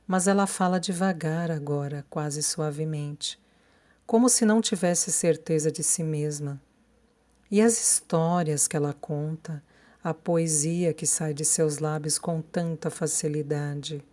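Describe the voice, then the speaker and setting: Uma mulher com sotaque brasileiro narra um romance em audiolivro, de forma pausada e controlada. O timbre é baixo e suave, de tom quente. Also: female voice, deep voice, warm tone.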